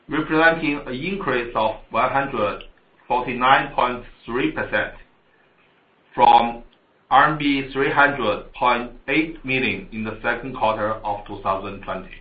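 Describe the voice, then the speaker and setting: A man formally reading a scripted financial report as a company finance chief, halting over the figures. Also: mid-range voice. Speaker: chief financial officer on an earnings call. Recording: dull, echoey conference call audio.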